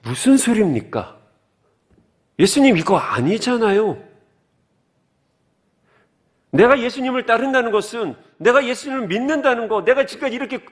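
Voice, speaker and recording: A man's voice: fairly bright tone, full character voice. A man voicing a disappointed male disciple who protests in a pleading, exasperated way. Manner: pleading, exasperated, voice rising high. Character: indignant disappointed male disciple, young adult.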